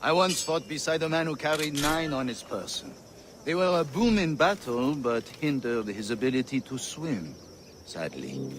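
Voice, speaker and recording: An actor playing a haughty French nobleman with a French accent, lively and mocking, in a video game. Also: mid-range voice, unhurried, background noise, close to an everyday voice. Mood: amused.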